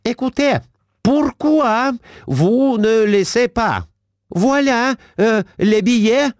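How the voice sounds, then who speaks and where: A shrill, bossy middle-aged wife nags in a high, swooping voice, as a male reader puts her on. She peppers her scolding with broken French, and the sound is dry and close, like a storybook recording. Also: very animated, unhurried, a little mellow, no echo.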